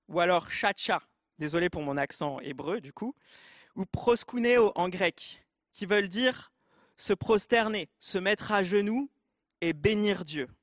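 A man with a light Arabic accent delivers a sermon in a fairly high voice. He talks earnestly, speaking straight to the congregation. The sound is dry and close, with no room echo. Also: a bit bright. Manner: earnest, direct address to the congregation. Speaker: preacher.

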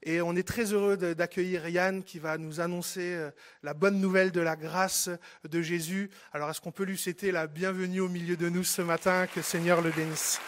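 A man's voice: sits high, level tone, normal speed. A man, a pastor hosting a church service and addressing the congregation. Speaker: pastor welcoming a guest preacher.

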